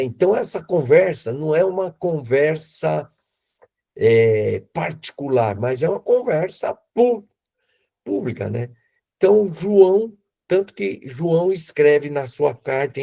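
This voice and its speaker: A man's voice: on the high side, warm tone, slightly rough. A man with a Brazilian Portuguese accent, a pastor teaching the Bible to a small group and explaining Greek words for love as he quotes scripture.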